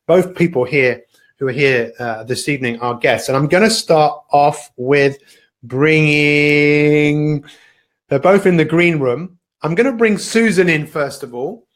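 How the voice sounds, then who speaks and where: Upbeat male coach host with a fairly high voice, chatty, motivational, live-stream feel. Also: measured pace. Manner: upbeat, chatty, with frequent ums and uhs. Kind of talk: live online broadcast, motivational talk.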